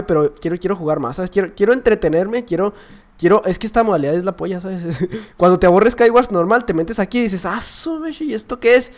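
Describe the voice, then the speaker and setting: Un joven con acento latinoamericano que comenta sus partidas con emoción, grita cuando pierde y murmura entre jugadas. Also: male voice, sits high. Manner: excitable, yells at sudden deaths then drops to mutters. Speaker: gaming youtuber. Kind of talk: gameplay commentary.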